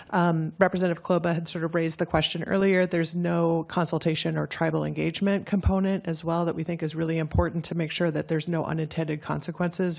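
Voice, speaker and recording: Low gravelly Midwestern woman testifying. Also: darkish tone. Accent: Midwestern American. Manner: joking, casual, with fillers. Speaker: testifier at a hearing. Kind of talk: public testimony.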